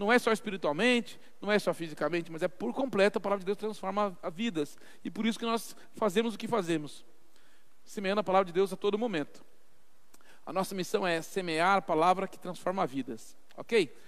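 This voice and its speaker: Speaking at a fairly quick pace with long, frequent pauses, a man uses a high pitch and ordinary pitch variation. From southern Brazil, Curitiba (Paraná). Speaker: Bible society representative speaking at a church. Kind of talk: church presentation talk. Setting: church service, livestreamed. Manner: fast.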